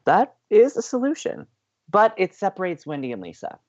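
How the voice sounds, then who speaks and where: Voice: mid-range voice, wildly swooping pitch, moderate pace, a little mellow, no echo, dull audio. An actor playing a playful, sociable college radio co-host who banters earnestly and teasingly with theatrical emphasis. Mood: eager.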